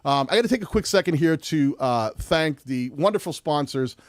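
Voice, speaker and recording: A man with a loud voice hosting a live-streamed tutorial, chatty and rambling with frequent restarts. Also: a little high, lively intonation, normal speed, no echo. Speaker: host.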